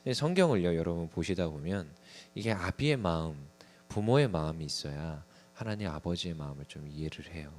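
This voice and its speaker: A man's voice: deep voice, fairly quick. A young man preaching a conversational sermon to a small congregation, acting out little scenes as he goes. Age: young adult. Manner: conversational, lively sermon with acted asides to the congregation.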